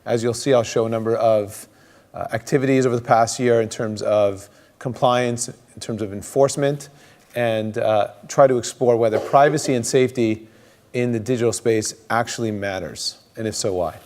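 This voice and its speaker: A man's voice: mid-range voice, normal speed, darkish tone. A man moderating a conference panel, hesitant with many filler sounds. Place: conference stage.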